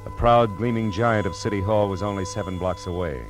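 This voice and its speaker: An actor playing a tough, sardonic private eye who narrates and acts in a 1940s radio noir drama. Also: male voice, lowish voice, a little fast, lightly acted, rough recording. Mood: wry narration. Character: hard-boiled, wry male private eye. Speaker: narrator and lead. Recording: old radio recording with music.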